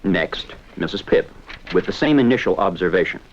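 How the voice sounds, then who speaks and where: A man giving measured, explanatory scripted narration for a 1970s educational film. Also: sits low, animated, highs cut off, a little hiss or hum.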